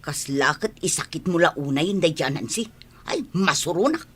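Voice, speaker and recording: A woman voicing a grumbling, resentful middle-aged village woman with a sharp tongue. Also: deep voice, animated, moderate pace, slightly rough.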